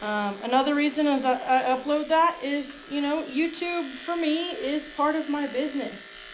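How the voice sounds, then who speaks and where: Through noticeable background noise, a woman speaks at a fairly slow pace. Her intonation stays fairly even. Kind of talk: casual vlog chat. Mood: explaining, slightly defensive. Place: shop.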